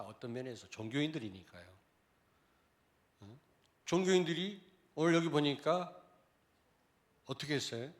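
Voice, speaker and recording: A man preaching a sermon to his congregation, chatty and direct, jumping from loud outbursts to quiet, murmured asides. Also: medium pitch. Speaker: pastor. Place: church sanctuary.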